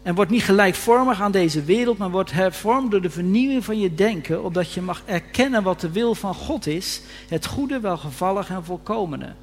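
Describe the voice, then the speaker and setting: A man preaches earnestly, often rising to fervent emphasis, his high voice full of lively intonation. He talks at normal speed with hardly any pauses. The sermon was recorded in a reverberant church hall with a faint hum.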